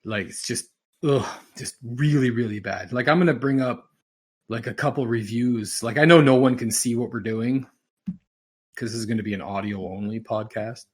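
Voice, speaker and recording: Guy rambling on a podcast, mid pitch, exasperated, says stuff over and over for emphasis. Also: normal speed, husky. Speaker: podcast host. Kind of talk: casual rambling podcast chat. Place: recorded podcast, audio only.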